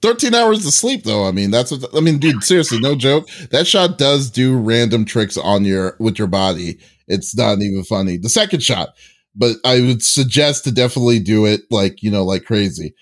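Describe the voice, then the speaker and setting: A man's voice: mid-range voice, expressive, normal speed. A man hosting a podcast in casual chat, often repeating his words and phrases. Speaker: podcast host.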